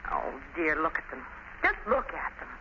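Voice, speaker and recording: An actress playing a detective's lively, devoted lady companion in 1930s radio style, brisk, refined and insistent. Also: deep voice, vocal fry, heavily acted. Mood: vexed. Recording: noisy, dull 1930s radio recording.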